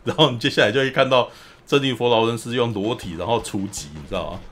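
A man chats through a film plot at a rapid clip, as the host of a casual podcast. His voice sits at an everyday middle pitch. He tells it with lively animation, often acting out the lines. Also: a little hiss or hum. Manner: animated storyteller, often acts out quotes. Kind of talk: casual film recap chat.

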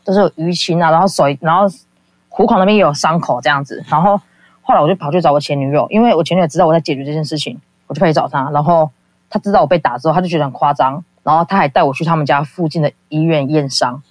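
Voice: mid-range voice, racing, no room sound. A caller, telling a personal story in a casual, rambling way, full of fillers and acting out the people quoted. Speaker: call-in guest.

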